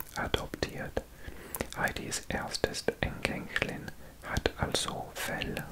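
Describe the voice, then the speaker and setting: At a very slow pace, a man is whispering. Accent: non-native. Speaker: ASMR creator. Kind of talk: magazine reading. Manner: soft-spoken, sometimes whispered. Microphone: studio mic.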